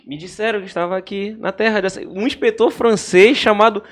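A man hosts a relaxed chat with enthusiasm. His voice is quite high. He turns to the audience as he asks things. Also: brisk. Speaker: host. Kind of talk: casual interview.

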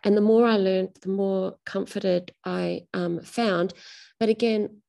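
A middle-aged woman being interviewed about her writing. Her voice is dark and mellow with a gravelly edge. She speaks thoughtfully and often restarts her phrases. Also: mid-range voice, fairly even intonation, takes it slowly. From Australia. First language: Greek. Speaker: author.

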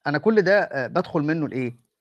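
An Egyptian man arguing for his faith in an online voice-room debate, talking softly and patiently, often stopping to ask for patience. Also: on the high side, lively intonation, no room sound, dull audio. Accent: Egyptian Arabic. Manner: measured, calls for patience, speaks softly. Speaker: Muslim debater.

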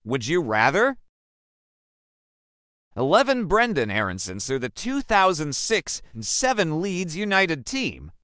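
A man voicing a male supercomputer that announces questions in a robotic monotone. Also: fairly high pitch, unhurried, dry recording, clean studio sound, pitched above the performer's own voice, heavily acted.

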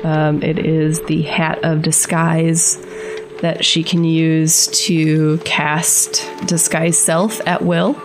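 A woman gives a casual recap of her character on a tabletop show. Her voice sits a bit low and she takes her time. Faint music is behind her. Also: flat delivery, slow.

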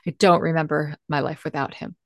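A woman's voice: low voice, steady tone, brisk, creaky, no room sound, studio quality. A woman speaking candidly and emotionally in a conversation, earnest and emphatic.

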